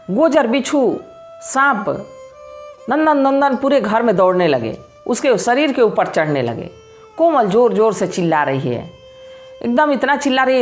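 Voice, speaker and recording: A woman narrating a devotional religious story with an expressive, preachy manner, addressing her listeners directly. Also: mid-range voice.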